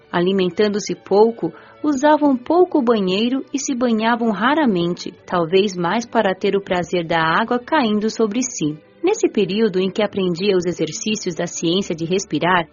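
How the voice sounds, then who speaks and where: A woman plays a serene nineteen-year-old female spirit telling her story for a radio drama. She speaks with a Brazilian accent in a measured, gently instructive way. The sound is slightly dull and lo-fi, with music underneath. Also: medium pitch, lightly acted. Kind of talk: scripted first-person radio drama narration. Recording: dull lo-fi audio with music behind. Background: background music.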